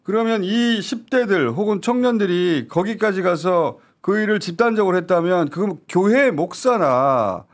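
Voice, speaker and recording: A man giving heated news talk-show commentary, talking in an indignant, emphatic and urgent way. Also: high-pitched. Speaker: political commentator.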